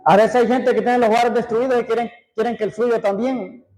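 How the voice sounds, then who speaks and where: A pastor with a strikingly high voice delivers a sermon. He reads scripture at a measured pace, then turns to the congregation with plain, conversational asides. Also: steady tone, darkish tone, low-quality recording.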